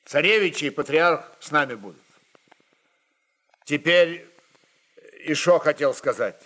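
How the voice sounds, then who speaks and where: A bold Cossack chieftain from a historical radio drama, put on by a man. The voice is raised and fairly high, commanding and impatient, with halting, forceful declarations broken into short phrases. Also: animated, heavily acted, low-quality recording. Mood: forceful, uneasy.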